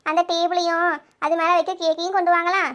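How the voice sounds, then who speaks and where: A woman's voice: very high voice, flat delivery, quick pace, fairly bright tone. A woman playing a caring, motherly village neighbour who soothes and coaxes the others. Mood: soothing. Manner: soothing, motherly, calls others by pet names. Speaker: neighbour Gomathi. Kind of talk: village family drama acting.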